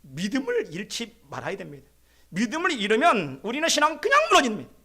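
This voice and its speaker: A man preaching at a midweek service in a bright, forceful voice with a gravelly edge. His pitch sits high for a man and swings widely as he calls out to the congregation. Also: wildly swooping pitch, quick pace. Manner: exclamatory preaching with rising calls of amen. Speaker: pastor. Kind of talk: sermon.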